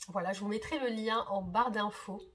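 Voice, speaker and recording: Woman, thirties, reader hosting her own channel; mildly hoarse and husky, halting delivery full of fillers. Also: medium pitch, fairly even intonation. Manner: hesitant, many fillers and repeated words. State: slightly hoarse from a cold. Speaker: tarot reader and channel host. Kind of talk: casual direct-to-camera chat.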